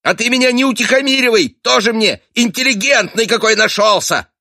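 A man voicing a shrill, furious wife who screeches accusations at her husband in an audiobook. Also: a little fast, sharp tone, dry recording, studio quality, exaggerated voice. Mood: shrieking furious. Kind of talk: audiobook character voice.

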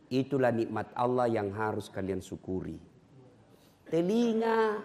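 A man's voice: mid-range voice, unhurried. A middle-aged man, preaching a humorous sermon to a mosque gathering and teasing his listeners. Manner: joking, lively, teasing the audience.

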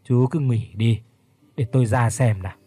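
A man's voice: medium pitch, moderate pace, mellow, breathy edge, no room sound, lightly acted. A man voicing a frail, frightened old man in a spoken horror story, talking in a choked, pleading way. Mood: weary.

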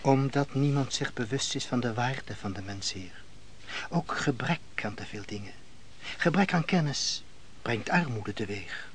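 An actor playing a calm, courteous host to a defeated lord in a radio play, measured, hushed and deferential. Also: male voice, mid-range voice, natural voice. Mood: matter-of-fact. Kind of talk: Dutch radio play acting. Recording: noisy old radio play recording.

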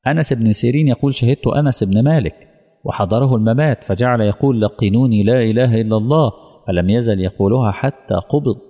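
A man preaching a sermon with an Egyptian Arabic accent, emotional and emphatic, slowing down and dropping to hushed tones. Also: medium pitch. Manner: emotional, slow emphatic preaching that drops to near-whispers. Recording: long hall reverb.

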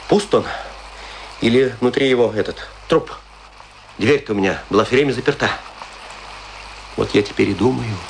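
A man's voice: lowish voice, vocal fry, a little hiss or hum, rough recording. An actor in a radio play voicing a chatty, morbidly wry man with an ironic, theatrical delivery full of rhetorical questions. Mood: spooked, wry. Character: chatty, morbidly wry man musing over death and graves. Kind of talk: theatrical radio play monologue, conversational Russian storytelling.

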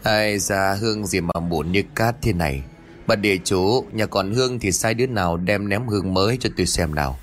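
A man voicing a gruff old male village sorcerer who mutters and grumbles in a low voice. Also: faint music behind, lightly acted. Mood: fussy. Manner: low muttering, slow curses.

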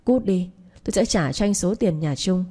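Woman doing an angry young wife, bossy and harsh, lowish voice. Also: animated, moderate pace, mellow, breathy edge. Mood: furious. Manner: harsh, commanding. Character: furious young wife throwing out her cheating husband.

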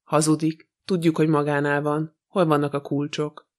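A man voicing a tall, brutal male intruder who speaks roughly and with threats in an audiobook. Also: on the high side, completely flat delivery, natural voice. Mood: menacing.

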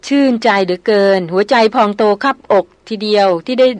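A woman's voice: mid-range voice, brisk, a little mellow, no room sound, close to an everyday voice. A woman reading an audiobook novel, voicing a proud, wry male jungle hunter with a dry, teasing manner.

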